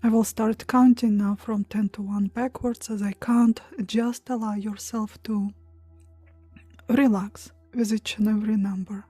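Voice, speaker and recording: A woman leading a guided meditation in a soft, breathy, hushed and soothing voice, pausing between short phrases. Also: mid-range voice, steady tone, no echo, soft background music. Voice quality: soft, breathy, near-whisper at times. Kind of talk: guided meditation, hypnotic relaxation countdown.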